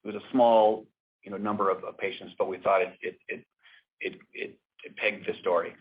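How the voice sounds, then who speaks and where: A man with a very low, slightly rough voice speaks as an executive on a conference call. He answers haltingly, doubling back over words. The sound is thin and narrow, like a telephone line. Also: fairly even intonation. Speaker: company executive. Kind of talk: answering questions on an earnings call. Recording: muffled narrow phone line.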